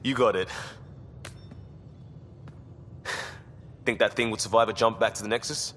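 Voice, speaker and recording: A man's voice: lowish voice, fairly even intonation, fast talker, a bit bright, long reverb tail, a little hiss or hum, natural voice. A man playing an impulsive, earnest young space crewman in a video game, speaking emphatically. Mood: relaxed. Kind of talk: video game dialogue acting.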